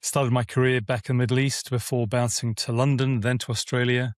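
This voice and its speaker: A man from Africa, talking casually as an interview guest. He wanders through his answers with frequent restarts and fillers. His voice sits at an ordinary middle pitch and is recorded close in a dry room. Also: little pitch movement, fairly quick, no room sound. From South Africa. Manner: rambling with many restarts and fillers. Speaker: guest, property management business owner.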